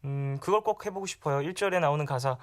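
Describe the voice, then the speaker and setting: A man's voice: on the high side, quick pace. A young man hosting a late-night radio show, asking guests eager questions and laughing often. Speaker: radio host. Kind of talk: casual radio chat.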